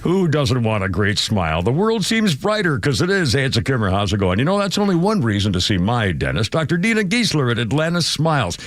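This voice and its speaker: A man's voice: mid-range voice, big pitch swings, fairly quick, few pauses, dry recording, soft background music. A man giving a folksy, joking infomercial-style testimonial as a radio host. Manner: folksy, joking sales patter. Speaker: radio host reading an endorsement ad.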